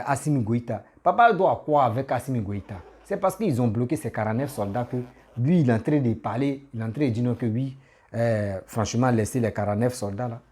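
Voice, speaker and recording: A man's voice: mid-range voice, a little mellow, husky. A man who has a cold, giving a casual, insistent political rant that scolds his listeners. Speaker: political commentator.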